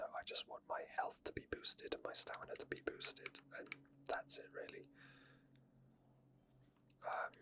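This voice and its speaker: A man speaks in a soft, breathy whisper throughout, with barely any voicing. He gives unscripted ASMR commentary on a video game as he plays. His delivery is murmured and hesitant, full of small asides. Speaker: game streamer.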